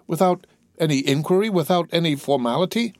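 A man's voice: a little high, fast talker, no room sound, voice pushed up, close to an everyday voice. A man voicing a desperate young sailor held prisoner, pleading in an earnest, agitated way in a storybook reading. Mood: shocked disbelief.

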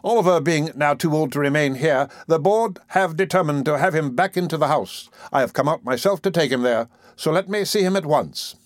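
A man voicing a pompous, self-important parish beadle in an audiobook, with a stately, drawn-out delivery. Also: on the high side, no room sound, studio quality, voice pushed up, close to an everyday voice. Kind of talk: audiobook character voice.

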